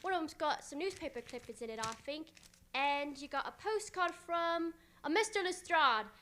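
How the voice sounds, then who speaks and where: A garrulous, cheerfully boastful village busybody who delivers the post, acted by a woman for radio theatre. The voice is high and forcefully bright, with a folksy, cheeky delivery. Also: animated, normal speed. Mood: cheerful, nosy. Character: chatty, nosy, cheerfully boastful village postwoman.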